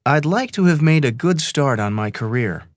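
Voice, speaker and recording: A man briskly reading out grammar example sentences. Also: medium pitch, animated, dry recording, clean studio sound, lightly acted.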